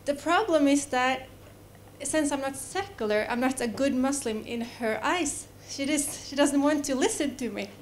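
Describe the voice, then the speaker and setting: A woman speaks from the audience at a public debate. Her voice is high and her delivery measured. A faint noise sits behind her. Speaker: audience member.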